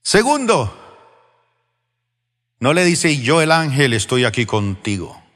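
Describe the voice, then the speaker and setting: Man preaching, pastor, slow deliberate delivery, lively swinging pitch, dramatic hushed-to-loud contrasts, reverberant church. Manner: asks the congregation questions. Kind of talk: sermon.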